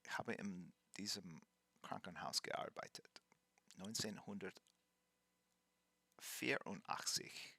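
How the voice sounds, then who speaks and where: A man in his fifties hosting a livestream, chatting casually while drawing and reading out viewer names in a halting, thinking-aloud way. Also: sits low, pushed and bright, dry recording. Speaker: livestream host.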